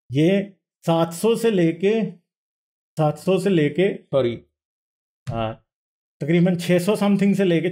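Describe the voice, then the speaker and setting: A man's voice: a little high, warm tone. A man hosting a livestream, explaining slides in a lecture style, asking the audience rhetorical questions and often correcting himself. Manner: mixes English words into speech, self-corrects. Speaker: livestream host.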